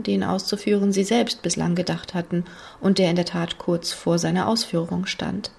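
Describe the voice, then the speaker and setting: Husky, gravelly woman narrating. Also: on the low side, darkish tone. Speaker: audiobook narrator. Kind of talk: scripted narration of a thriller.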